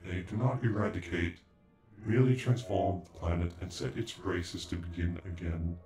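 An ancient alien android with a deep voice over soft music. He is cold and sassy in a sci-fi audio roleplay. His phrasing is stiff and formal, broken by robotic glitch stutters. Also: fairly even intonation, moderate pace. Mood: grave, explanatory. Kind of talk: scripted ASMR sci-fi roleplay. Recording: echoing, with music behind.

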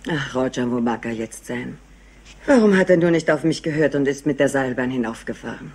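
Husky, low, worried aunt. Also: female voice, a little fast, darkish tone. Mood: wistful, worried. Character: worried wealthy aunt of a grown nephew. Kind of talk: German crime radio play acting.

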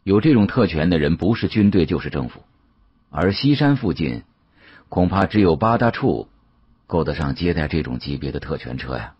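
A man voicing a sharp, cautious young antique dealer in an audiobook, deferential and quick-witted as he explains. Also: sits low, sing-song, breathy edge, dry recording, muffled recording, heavily acted. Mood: confident, explaining.

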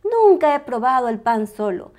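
A woman's voice: high voice, sing-song, moderate pace, a little mellow. A woman voicing a hungry, needy but grateful squirrel in a storybook.

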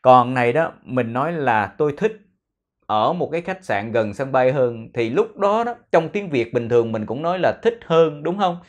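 A man's voice: medium pitch, lively intonation, muffled recording. Man drilling English pronunciation. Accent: Vietnamese. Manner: repeats words slowly for drilling.

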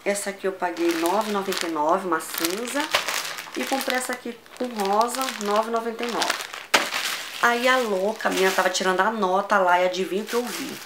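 A Brazilian woman vlogging a casual shopping haul, gushing and excitable, repeating words as she shows each item. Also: medium pitch, a little fast, heavy background noise. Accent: Brazilian Portuguese. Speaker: fashion vlogger.

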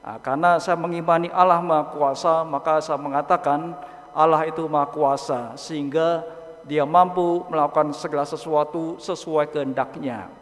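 A middle-aged man giving a measured Catholic sermon at a lectern microphone, pausing between short phrases. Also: a little high, steady tone. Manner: slow, measured delivery with long pauses between phrases. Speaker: Catholic priest. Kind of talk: sermon and gospel reading at Mass. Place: large church. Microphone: stand mic at a lectern. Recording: long church reverb.

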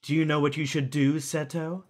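A man playing a calculating, smugly theatrical kidnapper in an audio drama, mocking with drawn-out, deliberate phrasing. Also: fairly high pitch, little pitch movement, close to an everyday voice. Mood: sly goading.

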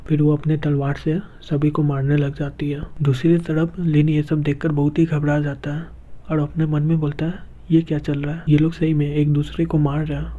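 A man narrates a manga comic as a story, reading every character's lines in his own steady narrating voice. His tone is very dark and his pitch barely moves, and the recording sounds dull and lo-fi. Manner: reads every role in one steady narrating voice. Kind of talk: scripted narration.

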